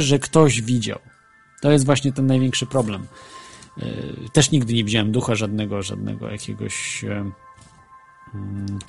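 Over faint background music, an internet radio host chats casually about ghost stories, hesitating with many fillers and restarts. His voice is medium in pitch, creaky and husky, with a darkish tone.

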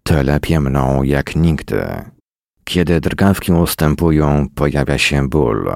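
A man reading a first-person story in a weary, deadpan manner at a close mic. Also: extremely low pitch, takes it slowly, gravelly, no echo. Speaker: narrator.

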